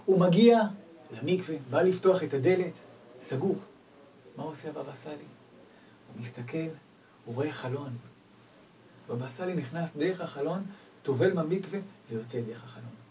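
A man delivering a storytelling sermon as a rabbi, swinging from loud exclamations to hushed asides. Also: fairly high pitch, long pauses. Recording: distant mic, faint background noise.

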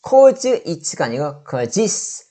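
A woman with a Korean accent, teaching the pronunciation of pop song lyrics. She says each phrase slowly and breaks it apart to show how the sounds join. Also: lowish voice, big pitch swings, warm tone.

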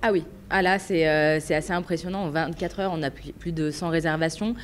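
Restaurant owner lady, excited, laughs a lot, lowish voice, bit of noise behind. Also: fairly quick. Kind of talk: interview answers.

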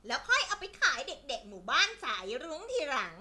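A woman voicing a frizzy-haired witch who sells pies, with a shrill, cackling, theatrical voice, in a children's storybook. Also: huge pitch swings, fast, sharp tone, full character voice. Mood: gleeful.

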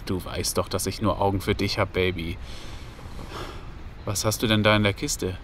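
A man's voice: sits low, level tone, normal speed, fairly bright tone. An actor playing an easygoing, devoted male partner in a German audio drama, in a natural conversational manner. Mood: flirty, casual. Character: Leroy, flirtatious, easygoing man, devoted partner. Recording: clear background noise, outdoor street ambience.

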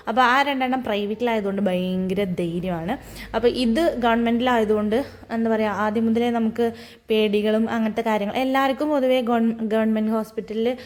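A woman in her thirties tells a personal story to her viewers in a relaxed, chatty way. Her voice sits a little high, and she fills pauses with small sounds and friendly tags. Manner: chatty, frequent fillers and tag "ട്ടോ". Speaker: vlogger. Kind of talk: casual storytelling vlog.

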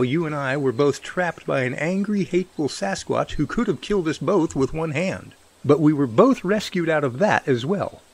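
A man's voice: a little high, husky. A man playing an earnest, protective brotherly figure in a radio drama, pleading in a folksy way. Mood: urgent pleading.

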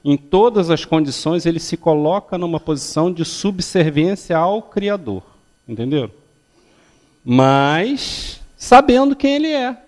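A man's voice: a little high, expressive, measured pace, a little mellow. An older man standing in a lecture hall giving a public religious talk, teaching step by step and often checking that the audience follows. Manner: didactic, ends phrases with checking questions; stands and gestures while speaking. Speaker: lecturer at a spiritist center.

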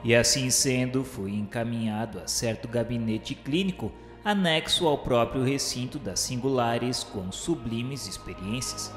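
A man's voice: medium pitch, a little slow, few pauses, natural voice. Guy doing a brazilian radio drama ghost, solemn and full of remorse, very echoey, music behind. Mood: grave, recollecting. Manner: solemn, formal, declamatory. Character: remorseful male spirit of a suicide, solemnly recalling his suffering. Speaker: narrator character in a radio drama. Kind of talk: dramatic first-person narration of a religious radio novel.

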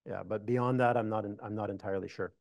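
A middle-aged man, a historian, answering audience questions in a meeting room, measured and thoughtful with frequent restarts. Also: on the low side, fairly even intonation, vocal fry, a little mellow, dry recording. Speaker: historian giving a talk. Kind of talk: lecture Q&A answers.

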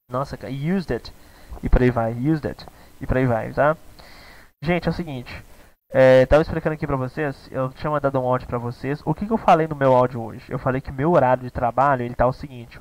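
A man's voice: mid-range voice, low-quality recording. A young man with a Brazilian Portuguese accent, teaching a live online English class in a casual, chatty way, often checking in with his students.

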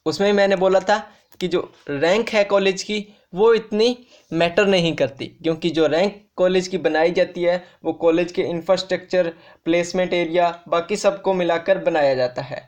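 A man's voice: sits high, fairly even intonation, moderate pace. A man presenting an informal explainer for students, speaking straight to viewers as friends and restating each fact more than once. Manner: repetitive, restates facts, addresses viewers as friends. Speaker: education YouTuber.

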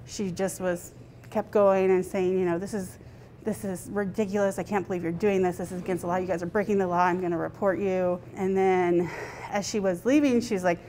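A woman in her thirties who owns a restaurant talks candidly in a news interview in her dining room. She retells events conversationally, quoting what people said, in a lowish, darkish voice. The recording is low quality with slight background noise.

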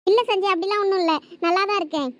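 A woman with a Thoothukudi Tamil accent playing a sad, quiet young student who keeps saying she is fine. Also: very high voice, rapid-fire, no room sound. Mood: subdued. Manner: subdued, reassuring.

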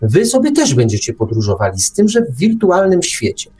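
A man's voice: fairly high pitch, wildly swooping pitch, brisk, darkish tone. A man hosting an opinionated radio discussion, putting rhetorical questions straight to his listeners. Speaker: talk show host. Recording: music under the talk. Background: music.

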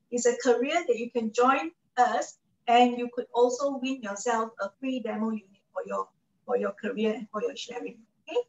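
A high-voiced Malaysian woman in her forties, a cooking show host and product advisor, gives a persuasive product presentation to an online audience from her home kitchen. She's chatty, speaks Malaysian English, and keeps checking in with "okay?" and "right?", while the webcam audio is echoey, distant, and muffled.

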